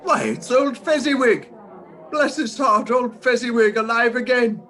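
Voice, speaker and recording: An actor in a radio play voicing a miserly old man softened by memories, hesitant and full of feeling. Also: very high-pitched, measured pace, some chatter behind, exaggerated voice. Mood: delighted nostalgia. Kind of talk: dramatic radio play acting.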